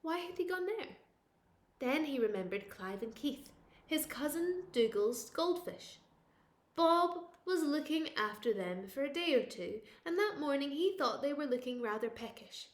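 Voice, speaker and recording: A woman reads a children's picture book aloud like a teacher at storytime, expressive and playful. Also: high voice, measured pace, roomy sound. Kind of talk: animated children's storytime reading.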